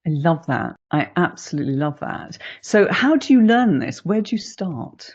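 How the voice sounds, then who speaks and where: A woman's voice: fairly low pitch, sing-song, normal speed, darkish tone. Upbeat woman host, muffled audio. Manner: upbeat, playful, direct questions. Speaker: podcast host. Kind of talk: interview conversation. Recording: muffled lo-fi recording.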